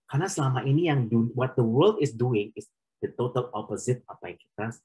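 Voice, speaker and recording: A man's voice: mid-range voice, lively intonation, a little fast, mellow, low-quality recording. A man leads a casual sermon at an online prayer meeting. He talks to the group like friends, with a mid-range voice, and drops English phrases into his preaching.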